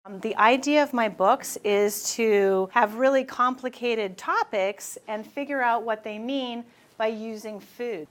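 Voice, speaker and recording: A woman's voice: fairly high pitch, fairly bright tone. A woman children's book author talking about her books and reading a passage aloud with playful emphasis.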